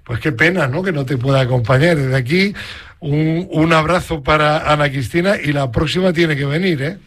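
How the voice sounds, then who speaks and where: A man's voice: a little high, normal speed, fairly bright tone. Chatty male radio host from southern Spain. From Spain, Granada. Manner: friendly, chatty interviewer. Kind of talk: radio interview.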